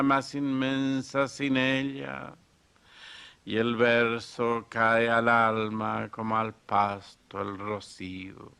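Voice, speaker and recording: Male reader, solemn verse recital, very slow, smooth clear voice. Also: mid-range voice, fairly bright tone. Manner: solemn, measured reading. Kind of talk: poetry recitation.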